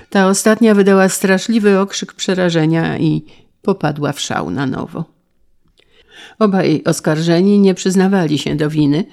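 A woman narrating an old novel aloud with steady, expressive storytelling. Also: fairly low pitch, vocal fry. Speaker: audiobook narrator. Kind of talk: dramatic novel reading.

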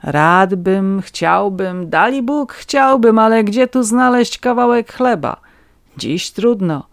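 A reader voicing a fawning, red-nosed petty scribe, a man who begs for vodka and wheedles his listeners in a high, eager voice. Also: animated, slow, gravelly, no room sound, clean studio sound. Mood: wheedling. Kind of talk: audiobook reading.

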